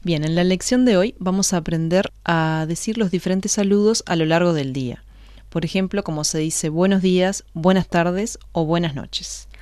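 Low-voiced woman co-hosting a language lesson. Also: moderate pace, a little mellow, no room sound, clean studio sound. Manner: repeats phrases after the teacher, announces segments. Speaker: co-host and learner.

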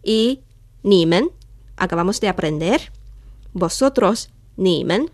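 Woman, Chinese native, patient language teacher, speaks slowly, dry studio sound. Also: medium pitch, animated, no echo. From China. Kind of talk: language lesson, modelling words to repeat.

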